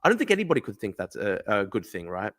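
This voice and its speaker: Fast-talking blunt man. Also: on the low side, huge pitch swings, a bit bright. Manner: blunt, argumentative, swears freely, repeats phrases. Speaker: livestream host reading chat. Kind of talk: casual livestream chat.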